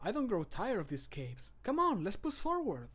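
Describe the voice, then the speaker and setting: Man acting a spirited adventurer companion, raised pitch, theatrical, sardonic, video game voice lines. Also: huge pitch swings, normal speed, fairly bright tone, full character voice. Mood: encouraging. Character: spirited adventurer companion exploring caves and battling.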